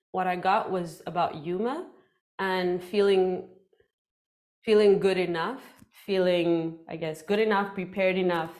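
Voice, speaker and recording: A woman in her thirties whose first language is Afrikaans, giving an animated, playful workshop talk on public speaking into a headset mic. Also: lowish voice. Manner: animated, gestures a lot, playful.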